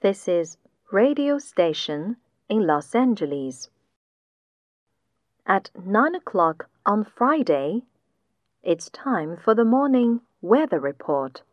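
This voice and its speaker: A woman reading a weather report slowly and clearly for a listening test, with a dull lo-fi sound like AM radio. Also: mid-range voice, dry recording. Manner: slow, deliberate, clearly enunciated reading. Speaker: test passage reader.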